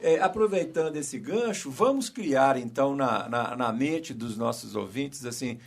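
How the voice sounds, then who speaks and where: Male radio host, lively storyteller who acts out scenes, studio sound. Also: medium pitch, measured pace, vocal fry. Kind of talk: casual radio chat, storytelling.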